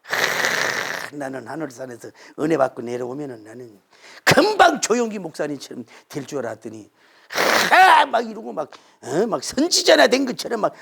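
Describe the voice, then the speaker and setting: A middle-aged man from South Korea preaching a sermon, dropping to hushed whispers and rising to shouts. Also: on the high side, gravelly, husky. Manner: acts out God and Elijah in soft voices. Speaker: pastor.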